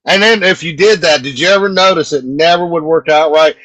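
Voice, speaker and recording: A man's voice: a little high, a little fast, a bit bright, no room sound. A man chatting casually as co-host of a talk show. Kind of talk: casual chat.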